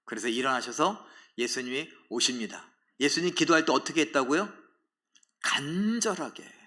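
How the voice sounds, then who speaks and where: A man's voice: medium pitch, normal speed, pushed and bright. A male pastor preaching a sermon in a dramatic way, often putting questions to the congregation.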